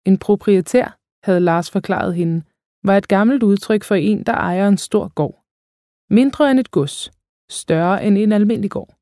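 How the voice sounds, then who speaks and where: Mellow-voiced woman reading a novel. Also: mid-range voice, dry recording, studio quality. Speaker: audiobook narrator. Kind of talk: scripted audiobook narration.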